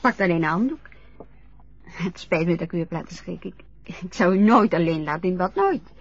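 An actress playing a patient carer who gently talks an old man through getting dressed, in a radio drama. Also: lowish voice, lively intonation, fairly quick, dry recording, muffled recording. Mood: reassuring. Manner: soothing, coaxing, practical.

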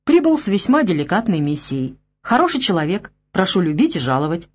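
A man's voice: high-pitched, very animated, brisk. Woman reading as a jovial joking man. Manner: cheerful, joking.

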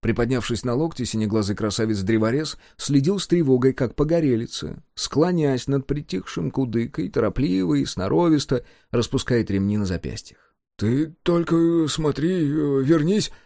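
Expressive male audiobook narrator, dry sound. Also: mid-range voice, moderate pace, creaky, no echo. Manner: expressive, storytelling.

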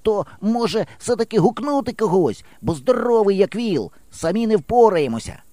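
A man doing an earnest, excited village boy. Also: high-pitched, normal speed, no room sound, voice pushed up. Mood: urgent. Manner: urgent, breathless pleading. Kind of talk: audiobook character voice.

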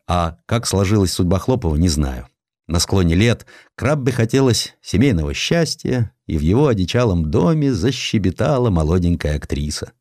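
A man narrating a historical audiobook dramatically and theatrically, with deliberate pauses. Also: low voice, big pitch swings, a little mellow, dry recording, clean studio sound.

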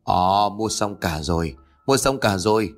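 A man doing a gruff, hungry father. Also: low-pitched, animated, measured pace, soft background music, voice pushed down. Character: hungry, gruff middle-aged father, strangely changed.

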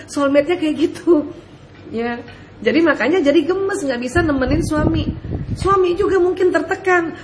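Woman, preacher, casual advice talk, fairly high voice, animated, rhetorical questions, faint background ambience. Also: a little hiss or hum. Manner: animated, asks rhetorical questions, laughs often. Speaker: Islamic preacher answering listener questions.

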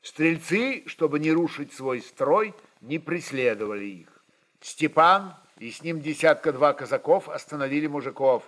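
A man's voice: fairly high pitch, animated, normal speed, fairly bright tone. A man narrating a literary historical story in a dramatic audiobook style.

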